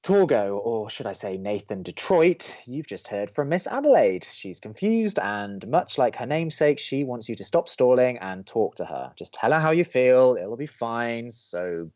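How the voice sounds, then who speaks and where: A man's voice: mid-range voice, very animated, moderate pace, hardly any pauses, darkish tone, highs cut off, lightly acted. A young man playing a sardonic, reluctant college radio co-host in an audio drama, with a dry, skeptical, pedantic way of talking. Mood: reluctantly helpful. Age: young adult. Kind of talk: scripted audio drama banter.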